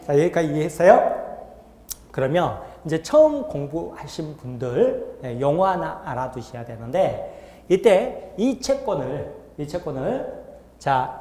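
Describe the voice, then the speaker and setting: A man's voice: on the high side, dark tone. A man teaching a law class, explaining step by step and often checking in with the students. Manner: asks the class frequent check-in questions. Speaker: law lecturer. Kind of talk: classroom lecture. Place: lecture hall. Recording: roomy echoey lecture hall.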